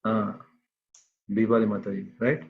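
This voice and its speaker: Man, scripture class leader, lowish voice, halting delivery full of fillers, phone-quality audio. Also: flat delivery. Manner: unhurried, halting with many fillers. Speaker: class speaker. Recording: tinny phone-like line.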